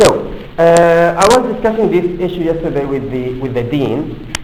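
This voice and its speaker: There's audible room echo and noticeable background noise around this man's fairly high voice. He talks at a fairly slow pace with lively intonation. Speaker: English teacher. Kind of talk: casual chat; lecture. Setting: classroom. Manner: halting.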